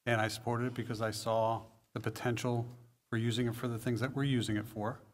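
A male town councilor speaks at a public meeting, slow and deliberate as he stands by his position. His voice sits at an ordinary middle pitch and is picked up by a table microphone in a school auditorium. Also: little pitch movement.

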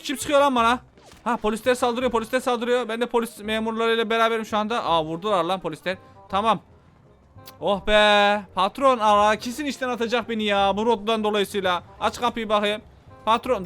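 A man giving excited gameplay commentary, speaking as his in-game character and yelling and cursing at the characters around him. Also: high-pitched. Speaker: gaming YouTuber.

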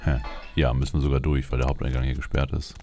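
A man's voice: a bass voice, little pitch movement, quick pace, mellow, a little hiss or hum. A man giving casual in-character game commentary, muttering to himself in short fragments. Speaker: let's player. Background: video game ambience.

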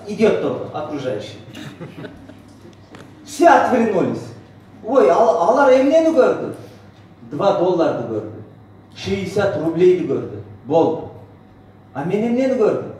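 On stage in a big hotel banquet hall, a middle-aged network marketing senior manager with a Central Asian accent delivers a bilingual motivational talk. His high voice is animated and emphatic, full of boasts and rhetorical questions. It's recorded by a faraway camera in the audience, so the audio is echoey, distant and noisy.

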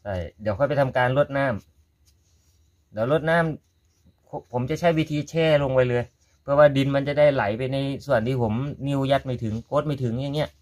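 A man's voice: medium pitch, normal speed, a little mellow. A man with a Korat Thai accent, talking viewers through a gardening task in a casual how-to vlog and addressing them as brothers and sisters. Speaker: gardening vlogger.

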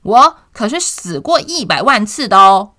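A woman's voice: medium pitch, big pitch swings, measured pace, sharp tone, no echo, studio quality. A woman voicing a proud, boastful male stray cat, showing off emphatically in a picture book read aloud to young children.

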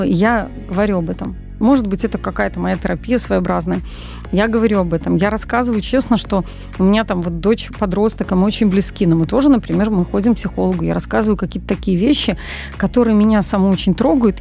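A woman in her forties, a copywriter guest on a radio talk show, telling stories in an animated way with frequent hesitations, speaking into a studio microphone. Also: medium pitch, creaky. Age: 40s. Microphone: large studio mic on boom arm, wearing headphones.

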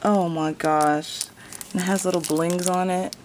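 A woman chatting casually to her viewers as she unwraps craft gifts, gushing with thanks and dropping to a soft whisper when something delights her. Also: fairly low pitch, steady tone, measured pace, slight background noise. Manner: gushing, repeats thanks and exclamations. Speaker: craft vlogger opening gifts. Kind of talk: casual unboxing chat to camera. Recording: loud paper crinkling and rustling.

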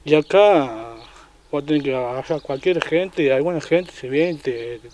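Argentine man, pitched a bit high, telling his story haltingly with faint noise behind. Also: darkish tone. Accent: Argentine Spanish. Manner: halting, many restarts and repeated words. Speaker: traffic agent interviewed. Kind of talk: casual recounting in an interview. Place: at home.

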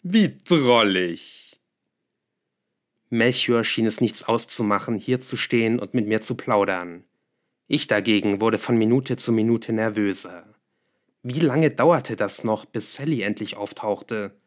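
A man reading a novel aloud as audiobook narration, measured and even. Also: on the low side. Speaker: audiobook reader. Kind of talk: scripted narration.

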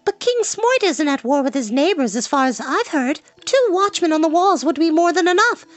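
A man's voice: extremely high pitch, sing-song, moderate pace, dry recording, pitched above the performer's own voice. A man voicing a polite, prim young princess who questions pointedly in a storybook read-aloud. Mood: doubting, insistent.

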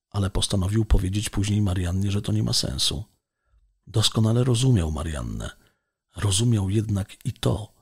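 Mężczyzna czytający powieść jako lektor audiobooka, miarowo i spokojnie. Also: male voice, low voice, creaky, breathy edge. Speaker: audiobook narrator. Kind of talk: scripted narration of a novel.

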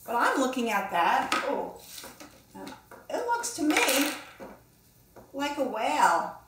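A woman in her fifties with a fairly high voice speaks casually to young children as an author and illustrator giving a lesson. She thinks out loud and encourages them with questions. The room around her is clearly echoey. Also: huge pitch swings, slow pace, heavy background noise. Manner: encouraging, musing aloud with questions to the viewer. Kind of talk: casual instructional talk to children. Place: small indoor room with echo.

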